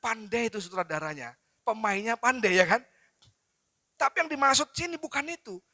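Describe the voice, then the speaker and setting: A man, preaching at a seminar in a lively storytelling way and talking straight to his audience. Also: high-pitched, moderate pace, no echo. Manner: lively storytelling with acted quotes, addresses audience directly. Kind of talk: seminar sermon.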